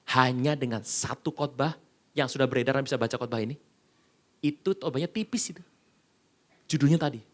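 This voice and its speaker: A male pastor preaching a sermon in a casual, colloquial way, telling stories with sudden jumps between loud bursts and hushed asides. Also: a little high. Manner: animated storytelling with sudden loud and hushed swings.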